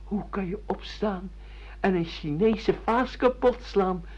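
A woman's voice: medium pitch, takes it slowly, darkish tone. A woman acting in a radio drama as an anguished rebel, delivered as a theatrical, impassioned monologue. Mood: brooding, yearning. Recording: dull lo-fi radio play recording.

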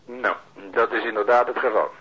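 An actor playing a gruff forensic lab expert in a Dutch radio play, dry, curt and sarcastic. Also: male voice, mid-range voice, steady tone, a little fast. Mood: dry, superior. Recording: muffled, dull radio drama recording.

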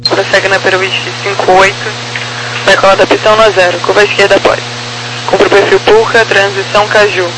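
A man issues procedural clearances as an air traffic controller on aviation radio. His voice is high and flat in intonation, with clear hum and noise on the channel. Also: a little fast. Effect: aviation radio transmission.

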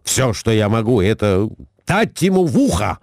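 A flustered middle-aged husband blusters in a low, grumbling voice, as a male storyteller plays him. He mutters meekly, then puffs up in indignation, recorded dry and close. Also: big pitch swings, moderate pace, a little mellow, no room sound. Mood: sheepish.

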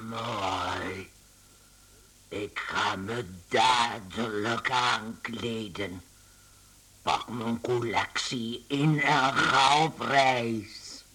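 An actor playing a travelling salesman turned insect in a radio play, meek, earnest and strangely calm, speaking slowly and deliberately. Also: mid-range voice, slight background noise. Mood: calm, pleading. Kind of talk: Dutch-language radio play acting.

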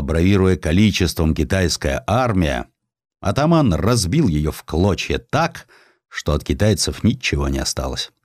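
A man narrating historical prose as an audiobook, with measured, dramatic storytelling. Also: low voice, darkish tone, no echo, clean studio sound.

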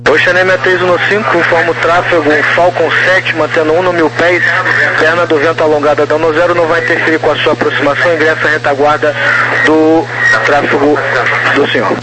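A man working as an air traffic controller, giving measured, formal instructions in clipped radio phraseology, heard over a two-way radio. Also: a little high, little pitch movement. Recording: noisy radio transmission.

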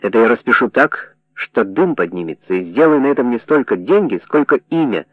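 Мужчина-чтец играет циничного западного журналиста, говорит резко и напористо. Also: male voice, mid-range voice, animated, brisk, no echo, lightly acted. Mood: brash. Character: cynical Western journalist, brash man. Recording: dry narrow phone-like sound.

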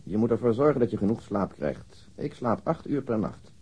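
A stolid know-it-all cop in a radio drama, soft mellow tone, bit husky. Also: male voice, lowish voice, sing-song, normal speed. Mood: matter-of-fact. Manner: unflappable, precise, humorless. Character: stolid, pedantic male police detective with encyclopedic memory. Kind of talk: Dutch radio crime drama acting.

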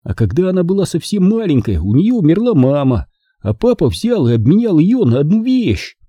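A man's voice: a little high, big pitch swings, a little fast, dark tone, husky, dry recording, pitched above the performer's own voice. Earnest boy hero, hesitant but serious, raised voice, a man doing him. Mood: explaining.

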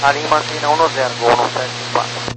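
Brazilian male pilot, mid pitch, terse readbacks, heavily noisy walkie-talkie radio sound. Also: steady tone, fast. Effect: voice over walkie-talkie style aviation radio. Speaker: airline pilot. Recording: very noisy radio with mains hum.

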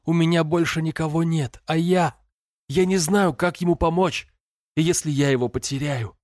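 A man voicing a frightened teenage boy who begs and shouts in desperation over his brother. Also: medium pitch, measured pace, dry recording, studio quality, voice pushed up, close to an everyday voice. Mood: frantic pleading. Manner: frantic, pleading outbursts.

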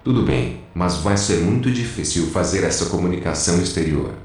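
Casting: male actor for a cautious, placating rebel in a radio play, deep pitch, very reverberant. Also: expressive, darkish tone, faint music behind. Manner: measured, placating. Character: weary, cautious male peacemaker among rebels. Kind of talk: audio drama acting. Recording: very echoey space.

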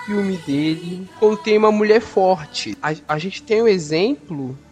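A man's voice: high-pitched, a little slow, a little mellow, soft background music. A man with a Brazilian accent hosting a casual film podcast, rambling with many restarts and jokes. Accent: Brazilian Portuguese. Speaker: podcast host and editor.

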